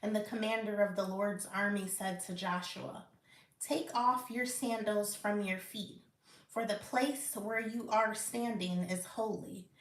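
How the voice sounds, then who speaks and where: Woman, live Bible reading, slow careful delivery, echoey room. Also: mid-range voice, fairly even intonation. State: out of breath.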